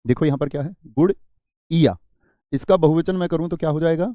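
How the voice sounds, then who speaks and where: A man's voice: a little high, brisk, dark tone, no room sound, highs cut off. Man teaching a live grammar class. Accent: Hindi. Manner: questioning, repeats words, reads out student comments.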